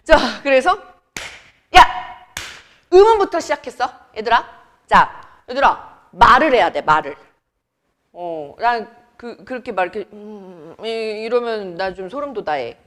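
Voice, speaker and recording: A young woman teacher from Seoul talking to her class, with a slightly high and very animated voice that swoops up and down. She chats, teases and quizzes the students as she works through the lesson in a classroom. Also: unhurried. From Seoul, South Korea. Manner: chatty, teasing, quizzes students. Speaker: academy Korean teacher. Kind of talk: classroom lecture.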